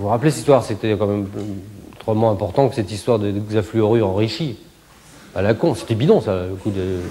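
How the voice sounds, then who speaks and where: At a very fast pace, a man speaks at a fairly low pitch with ordinary pitch variation. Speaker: stand-up comedian. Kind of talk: comic stage monologue. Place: stage. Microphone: lapel.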